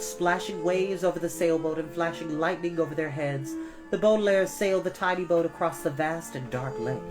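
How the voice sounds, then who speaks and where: A woman reading a storybook aloud as a storytime host, with expressive, deliberate emphasis on key words. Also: low voice.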